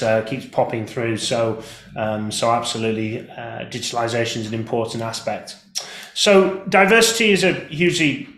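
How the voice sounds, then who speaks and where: Male podcast host, upbeat and affirming, mid-pitched voice in an echoey room. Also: a bit bright. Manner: upbeat, affirming, "makes sense" and "absolutely". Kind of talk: podcast interview questions.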